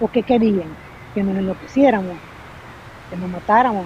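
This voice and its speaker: A woman talks with ordinary pitch variation, and noticeable background noise can be heard. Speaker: former political prisoner. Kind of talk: interview testimony.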